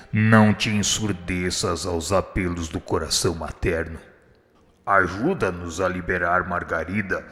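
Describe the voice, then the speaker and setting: Deep-voiced, pleading spiritual instructor. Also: male voice, fairly bright tone. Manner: solemn, supplicating, formal and eloquent. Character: kind, humble male spirit instructor, pleading and dignified. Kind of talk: radio drama acting. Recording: long hall reverb, music underneath. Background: music.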